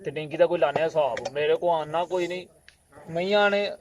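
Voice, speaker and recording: A man's voice: a little high, brisk, close to an everyday voice. A man playing a pushy village man, off-mic. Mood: urging. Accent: Pakistani Punjabi. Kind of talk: amateur village drama. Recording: voice from a distance.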